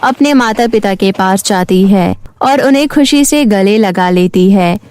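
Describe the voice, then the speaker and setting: A woman's voice: mid-range voice, measured pace, a little mellow, clear, resonant tone, no room sound. A woman giving scripted narration for a cartoon fairy tale.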